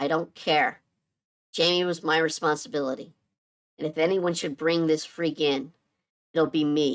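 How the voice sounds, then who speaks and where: A woman puts on a raspy character voice with very deep, low pitch. She keeps a moderate pace and fairly even intonation. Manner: proud, proclaiming.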